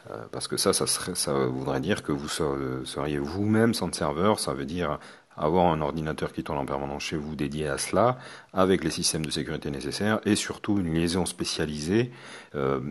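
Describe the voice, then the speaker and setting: A French hypnotherapist teaches a course, giving a spoken lesson to students. His voice is a rumbling low one at normal speed, and he talks hesitantly with many fillers and restarts.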